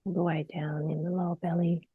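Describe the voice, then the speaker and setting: A woman guides a meditation in a soft, breathy, gentle voice, unhurried and fading toward a whisper between long pauses. Her voice is lowish with little pitch movement, and the dry recording sounds narrow and tinny.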